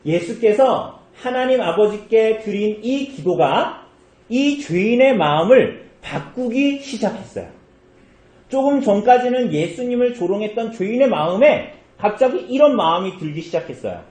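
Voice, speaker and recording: A high, very lively man's voice preaching a sermon, his pitch swinging up and down as he tells the story. He keeps asking the congregation questions, and the sound rings around a roomy church. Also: normal speed. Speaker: pastor.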